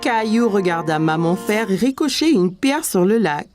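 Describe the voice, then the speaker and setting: A woman narrating a children's cartoon in a gentle, scripted storytelling manner. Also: mid-range voice, expressive, a little slow. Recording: music bed under voice.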